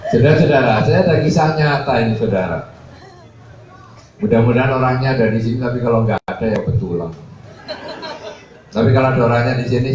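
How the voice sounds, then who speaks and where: A man's voice: darkish tone, a little hiss or hum. A man preaching a Buddhist sermon, telling a story and acting out the dialogue with a playful, joking manner. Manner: storytelling, acts out dialogue with varied pitch, jokey. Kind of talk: sermon with anecdotes. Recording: echoey hall, distant mic, dull sound.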